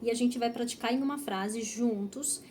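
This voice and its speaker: A young Brazilian woman teaching Portuguese pronunciation in an online lesson, speaking model phrases slowly and carefully for learners to repeat. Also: fairly high pitch, darkish tone, slight background noise. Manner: slow, over-articulated model phrases for repetition.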